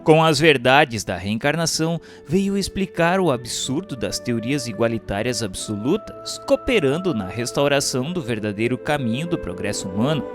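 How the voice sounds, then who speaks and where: A man's voice: mid-range voice, expressive, moderate pace, few pauses, music in the background. A Brazilian man reading a religious text as solemn scripted narration, in a formal, declamatory manner.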